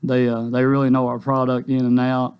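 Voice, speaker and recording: A man's voice: medium pitch, completely flat delivery, brisk, clear, resonant tone. Polite man on a dull line. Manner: polite, eager, says "yes, sir". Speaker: rental store guest. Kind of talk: radio interview.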